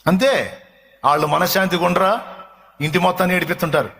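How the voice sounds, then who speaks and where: A man's voice: high-pitched, quick pace, vocal fry, pushed and bright. A male pastor preaching a sermon with emphasis, often putting rhetorical questions to his congregation.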